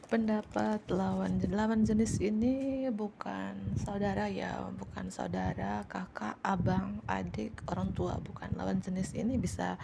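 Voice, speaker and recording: Woman, tarot reader, casual chatty reading, gravelly voice, faint background hiss. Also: medium pitch, fairly even intonation, measured pace. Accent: Indonesian. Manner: chatty, repetitive, slips into soft whispers; playful, teasing jokes.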